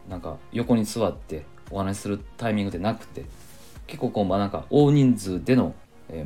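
A Kansai-accented man hosts a relaxed solo podcast, his low, mellow voice swinging up and down as he chats. He rambles along with many fillers and small chuckles. Soft music plays faintly behind him. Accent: Kansai Japanese. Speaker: podcast host. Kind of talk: casual solo podcast chat.

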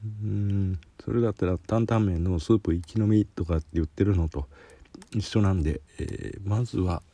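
Kansai-accented man, deep and husky, chatty solo food-review podcaster, sniffly from spice. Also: moderate pace, warm tone, no room sound. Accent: Kansai Japanese. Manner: chatty, self-deprecating, sniffling while eating spicy food. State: sweating and runny nose from spicy food.

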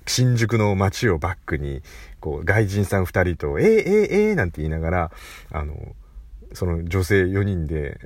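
A man's voice: low voice, a little mellow, breathy edge, no echo. A man hosting his own casual talk podcast, telling a meandering story full of fillers and restarts. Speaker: podcast host. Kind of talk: casual solo chat.

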